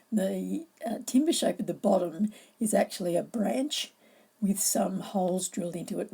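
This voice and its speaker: Woman with a croaky, husky voice. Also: medium pitch, dark tone. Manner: measured, explanatory, with pauses. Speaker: floral art presenter. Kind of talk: educational talk.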